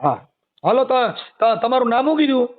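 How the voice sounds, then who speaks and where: Male phone counsellor, Kathiyawadi accent: high, fast, reassuring and insistent, on a narrowband call recording. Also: big pitch swings. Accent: Kathiyawadi Gujarati. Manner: reassuring, advising, talks over caller. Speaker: spiritual helper taking calls for his YouTube channel.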